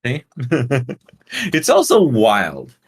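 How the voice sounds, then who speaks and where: A man's voice: mid-range voice, wildly swooping pitch, very slow, creaky, breathy edge. A man from Portugal co-hosting a casual sports podcast, talking bluntly with swearing and rambling explanations. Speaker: podcast co-host.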